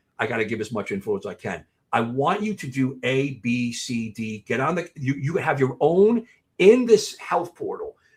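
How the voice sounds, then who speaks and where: Somewhat breathy, a man speaks at a fairly high pitch. His voice moves in very wide pitch swings. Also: moderate pace. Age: 60s. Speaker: internist answering viewer questions. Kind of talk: live Q&A with callers.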